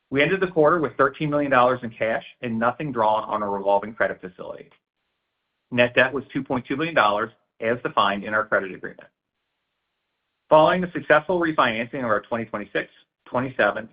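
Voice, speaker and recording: Male finance executive, mid-pitched, delivering prepared quarterly figures over a somewhat dull call line. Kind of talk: scripted earnings call report. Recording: slightly dull conference-call audio.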